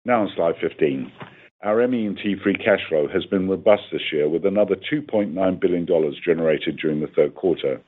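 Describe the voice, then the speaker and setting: A man with a very low, husky voice delivers a scripted financial report. He reads formally and evenly paced, like a company executive. The sound is narrow and phone-like, as on a conference line. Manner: formal, measured reading of figures. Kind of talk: scripted earnings call presentation.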